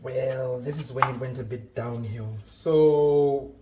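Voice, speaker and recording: A man's voice: medium pitch, takes it slowly, background noise. A young man from Zimbabwe, a chef telling his story in a casual interview, joking and restarting his sentences. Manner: relaxed, joking, restarts often.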